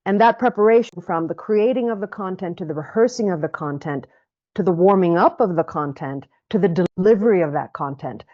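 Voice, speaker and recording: A woman speaking as an interview guest, reflective and expressive, often repeating words as she thinks. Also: fairly low pitch. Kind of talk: interview conversation. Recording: muffled lo-fi recording.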